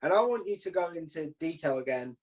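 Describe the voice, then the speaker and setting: A man's voice: on the high side, animated, fairly quick. A man hosting a casual interview in an informal, chatty way. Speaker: podcast interviewer and host.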